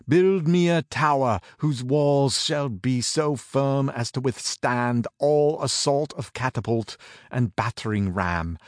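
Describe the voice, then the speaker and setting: A man voicing a stern, frightened old king giving slow, commanding orders. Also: mid-range voice, no room sound, studio quality, voice pushed up, natural voice.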